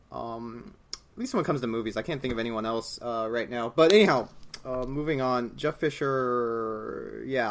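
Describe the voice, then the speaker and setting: Young podcast dude rambling about football, loads of ums, even middle voice. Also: male voice, mid-range voice. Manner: rambling, jokey, lots of fillers and restarts. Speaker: podcast co-host. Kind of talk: casual chat.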